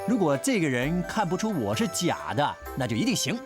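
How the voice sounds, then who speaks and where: An actress playing a calm young woman disguised as an old granny in a period martial-arts TV drama. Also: low-pitched, fairly quick. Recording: TV drama with music score.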